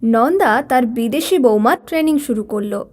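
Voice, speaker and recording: A woman's voice: fairly high pitch, lively intonation, moderate pace, a little mellow. A woman narrating a children's cartoon story.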